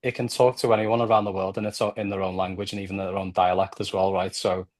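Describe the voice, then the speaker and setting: A man's voice: low voice, level tone, fast talker, no echo, studio quality. A man with a Liverpool accent talking casually and explaining things on a podcast, often checking in with "right?". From Liverpool, England. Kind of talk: casual conversational podcast discussion.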